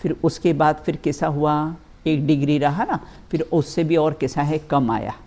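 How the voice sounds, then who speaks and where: A woman's voice: deep voice, mellow. A woman teaching as a religious teacher, reading a scripture text aloud and explaining it with everyday examples, often checking with her listeners. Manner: slow, repeatedly checks with "है ना" and "बिल्कुल"; addresses listeners as children, gives everyday examples.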